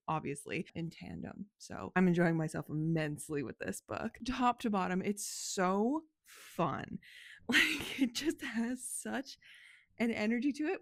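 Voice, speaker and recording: A woman vlogging about books and her writing in a casual, animated way, laughing and swearing often, her voice a little hoarse. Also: medium pitch, dry recording, clean studio sound. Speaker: book vlogger and author. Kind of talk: casual chatty vlog.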